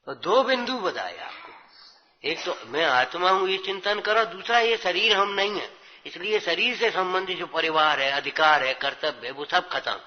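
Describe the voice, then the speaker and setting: A man's voice: high voice, animated, moderate pace, slight background noise. A man giving a religious scripture sermon, exhorting his listeners and checking their understanding with rhetorical questions. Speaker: religious teacher. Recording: dull lo-fi with long hall reverb.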